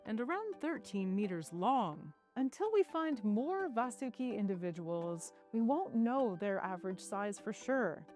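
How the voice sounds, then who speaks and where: A woman reading scripted educational science narration in a clear, explanatory manner, as a video narrator. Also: fairly high pitch, darkish tone.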